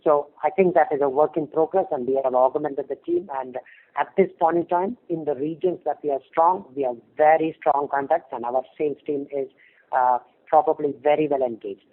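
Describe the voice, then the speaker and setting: A man's voice: fairly high pitch, fairly quick. A male company executive answering investors on an earnings call, explaining hesitantly and repeating words over a phone line. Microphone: phone conference call. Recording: narrow, tinny conference phone line.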